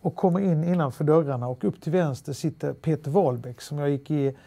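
Here a middle-aged man tells a story in an interview, speaking a Halland dialect from Sweden. The voice is gravelly and on the high side, and the telling is lively and anecdotal, peppered with restarts and fillers.

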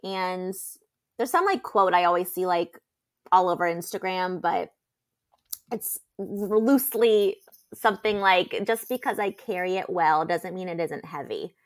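A woman's voice: on the low side, unhurried. Young woman podcast cohost, chatty and reassuring, lots of likes and you knows. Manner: chatty, reassuring, many fillers. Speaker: podcast co-host. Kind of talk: casual chat.

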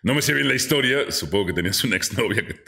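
A man's voice: fast, gravelly. A man in his forties with a Mexico City accent, a sports commentator guest talking animatedly at a desk mic in a small studio. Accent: Mexico City Spanish. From born in Guatemala, raised in Mexico City. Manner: animated, booming exclamations. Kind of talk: casual interview chat.

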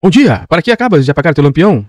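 A man's voice: fairly high pitch, big pitch swings, racing, a little mellow, no echo, clean studio sound. A man voicing a curious, persistent little boy prince who asks question after question. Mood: puzzled. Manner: earnest, insistent questioning.

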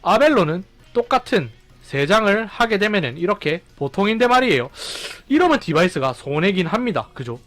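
High, lively Korean game commentator. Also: male voice, brisk, few pauses. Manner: animated, counting down and exclaiming loudly. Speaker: gaming streamer. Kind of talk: excited gameplay commentary.

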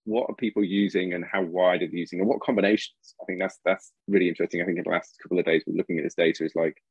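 A man moderating a webinar panel over a video call, walking through slides in a relaxed, conversational way. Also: low-pitched, very fast, slightly rough, no room sound, dull audio.

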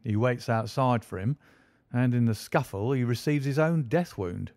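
A man's voice: mid-range voice, normal speed, a little mellow, no room sound, clean studio sound, lightly acted. A man reading aloud and voicing a brash, self-satisfied police inspector who boasts and insists on his own theory. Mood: boastful.

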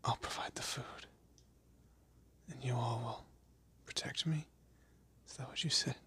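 A man acts out a scared young captive of a vampire in an audio roleplay. His voice is very husky and breathy, and he speaks slowly and haltingly, stammering as he pleads. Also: medium pitch, steady tone, bright, forceful tone, in a whisper, exaggerated voice. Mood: hesitant, nervous. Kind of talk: amateur audio roleplay drama, one-sided dialogue.

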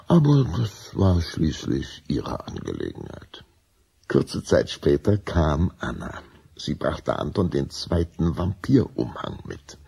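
A solemn storyteller of a spooky children's radio play. The voice is dark and raspy, and it moves slowly through each sentence with measured care. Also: male voice, very deep voice, full character voice. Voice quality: raspy, gravelly. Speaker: narrator.

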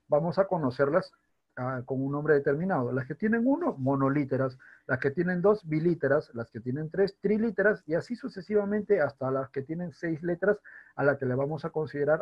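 Husky teacher man, lo-fi recording. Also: fairly high pitch. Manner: checks in often with rhetorical questions; spells out words slowly by syllable. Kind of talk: recorded online grammar lesson.

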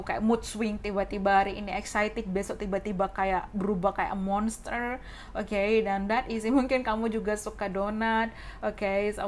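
A young woman with a hoarse voice giving a casual tarot reading, chatty and often saying "oke". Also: medium pitch, slight background noise. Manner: chatty, mixes English phrases, says "oke" often. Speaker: tarot reader. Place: indoors at a wooden table.

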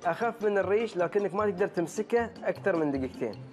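A young man with a Qatari accent hosts a quiz. His voice sits fairly high and moves quickly. Music plays clearly behind him. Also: animated. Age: young adult. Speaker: TV quiz host. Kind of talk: street and studio quiz presenting. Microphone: handheld microphone.

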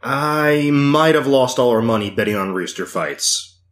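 A man's voice: mid-range voice, animated, measured pace, a bit bright, reverberant. A man playing a tabletop game, talking in a playful, cocky way. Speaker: tabletop player.

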